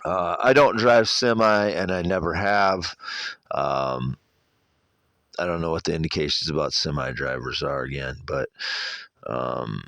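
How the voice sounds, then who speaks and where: A middle-aged man with a Midwestern American accent speaks in an extremely low, gravelly voice, congested from allergies. He rambles through a personal monologue, stopping, repeating and correcting himself. The sound is dry and close, with little room on it. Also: a bit bright, no echo. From Iowa, United States. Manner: halting, repetitive, self-correcting.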